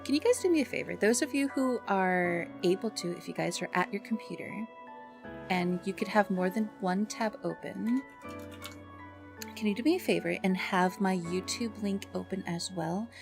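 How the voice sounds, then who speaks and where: This livestream host has a gravelly, mid-range voice and talks at a moderate pace over music. Speaking into a streaming mic, she keeps things casual and chatty, with plenty of self-deprecating grumbles.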